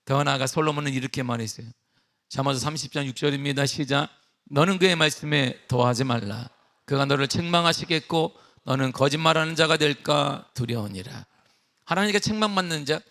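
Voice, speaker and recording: A middle-aged man preaching a sermon as pastor, emphatic with call-and-response questions, then easing into a relaxed personal story. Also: medium pitch, moderate pace. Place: church sanctuary.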